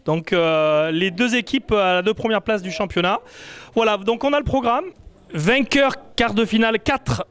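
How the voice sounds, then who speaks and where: A man with a high-pitched voice runs a football cup draw. He talks casually and loosely, padding his sentences with fillers and small hesitations. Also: fairly bright tone, clean tone. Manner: chatty, hesitant, many fillers. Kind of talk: casual live announcing.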